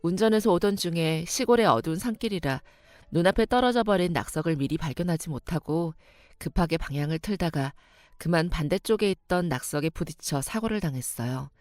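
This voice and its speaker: Calm low-voiced woman storyteller. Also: fairly quick, dry recording. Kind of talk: scripted narration.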